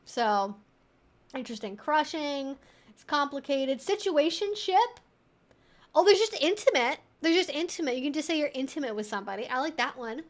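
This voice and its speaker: A woman hosting a casual live Q&A, thinking aloud in a rambling, amused way as she reads things out and reacts. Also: high voice. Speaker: livestream host and kink educator.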